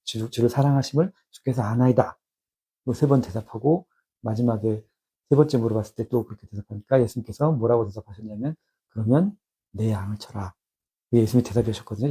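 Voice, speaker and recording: A man in his fifties giving a personal spiritual testimony, reflective and halting with many restarts. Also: medium pitch, mellow, breathy edge.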